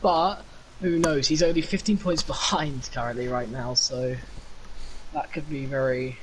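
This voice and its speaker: A man's voice: medium pitch, fairly even intonation, unhurried, slight background noise, low-quality recording. Teasing, chatty male podcast host. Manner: chatty, teasing, laughs often. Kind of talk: casual podcast chat.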